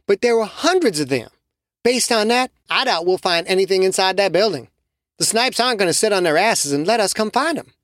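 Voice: mid-range voice, lively intonation, a little fast, a bit bright, no room sound, pitched above the performer's own voice, lightly acted. A narrator voicing a skeptical young woman student who is blunt, sarcastic and swears freely, in a dry, close recording. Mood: reasoning.

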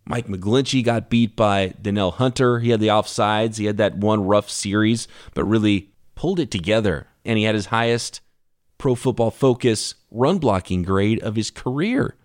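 A man hosting a solo sports podcast, talking through the game in an energetic, conversational way while his voice is worn from a cough. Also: on the low side, moderate pace, no room sound, clean studio sound. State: losing his voice from a lingering cough. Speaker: podcast host.

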